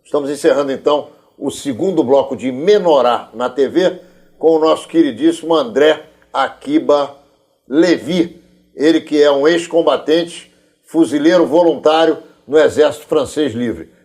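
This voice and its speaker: A man's voice: on the high side, moderate pace, a little mellow. A man with a Brazilian accent, hosting a television interview in a conversational style.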